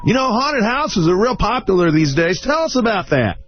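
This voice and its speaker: A man's voice: sits high, sing-song, moderate pace. A man playing a radio host presenting a Halloween special. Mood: upbeat introducing. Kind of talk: radio show hosting. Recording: noisy, muffled radio clip.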